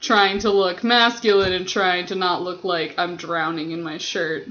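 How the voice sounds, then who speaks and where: A man's voice: high voice, little pitch movement, measured pace, bright, forceful tone. A young trans man talking candidly and wryly with a friend in a casual chat. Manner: candid, wry. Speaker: guest. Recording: slightly dull, faint hiss.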